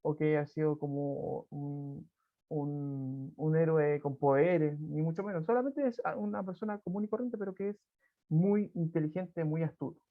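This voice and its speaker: A Chilean man teaching a class over a video call, talking in a loose, chatty way and checking in with his students every few phrases. His voice sits a bit high for a man, with a gravelly fry. The audio is dull and lo-fi. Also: moderate pace. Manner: conversational, frequent tag questions and restarts. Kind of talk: online class, reading and explaining a folk tale.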